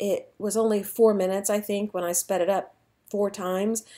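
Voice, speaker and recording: A woman speaks here. Her tone is dark and mellow. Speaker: art journaling youtuber. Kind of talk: voiceover tutorial. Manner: fast; casual.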